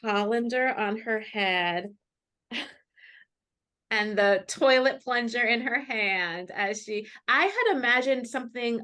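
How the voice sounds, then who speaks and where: A woman's voice: a little high, expressive, slow, pushed and bright. Woman author chatting in an interview. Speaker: children's book author and guest. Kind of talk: casual video interview chat. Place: remote video call.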